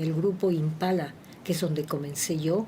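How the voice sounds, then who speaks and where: Somewhat breathy, with a dark, mellow tone, a woman talks at a moderate pace with fairly even intonation. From Ecuador, Quito. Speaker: film publicist and author. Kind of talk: interview. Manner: hesitant, with fillers.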